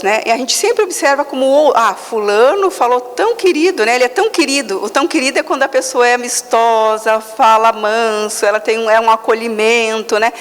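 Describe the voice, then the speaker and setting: A woman giving a talk at a Spiritist center, telling stories with animated quoted asides. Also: a little high, in a large hall.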